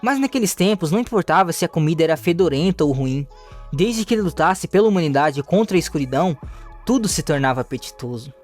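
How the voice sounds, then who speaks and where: A man narrating a manga story recap in a lively storytelling manner. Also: fast. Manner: lively storytelling with rising and falling pitch. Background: faint background music.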